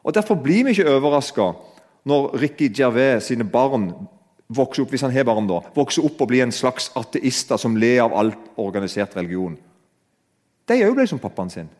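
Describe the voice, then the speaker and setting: A man's voice: mid-range voice, sing-song, a little mellow. Man preaching in an echoing hall. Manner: conversational, addresses listeners directly. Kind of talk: sermon. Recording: long hall reverb.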